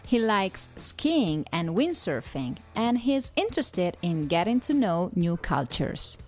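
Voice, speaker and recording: Lively woman podcast host. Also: on the low side, slow, soft background music. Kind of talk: English-learning podcast chat.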